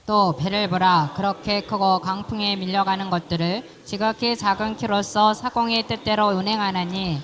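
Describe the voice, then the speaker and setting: Woman reciting scripture in responsive reading. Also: mid-range voice. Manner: steady, measured recitation. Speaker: congregant.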